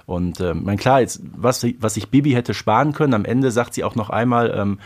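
A man hosting a podcast in casual chat, pausing often with filler sounds. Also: fairly low pitch. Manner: hesitant, many filler sounds. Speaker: podcast host. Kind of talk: casual podcast chat about a radio play.

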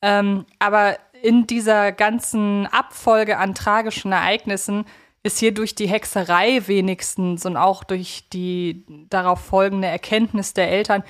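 A woman with a medium-pitched voice co-hosts a casual podcast. She analyses things reflectively and articulately, working through her thoughts as she speaks. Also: level tone, a little slow. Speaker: podcast co-host.

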